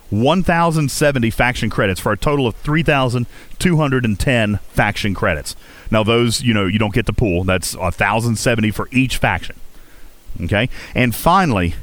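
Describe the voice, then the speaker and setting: A man's voice: medium pitch, no room sound. A man from Virginia hosting a casual gaming livestream, chatting to viewers and answering their chat as he goes. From Virginia, USA. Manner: talkative, reads and answers viewer chat, keeps asking "okay?". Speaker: livestream host.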